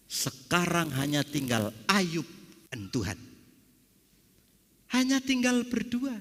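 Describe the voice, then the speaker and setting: Man, preacher, sermon, very high voice, bright tone, long church reverb. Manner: animated storytelling, rhetorical questions.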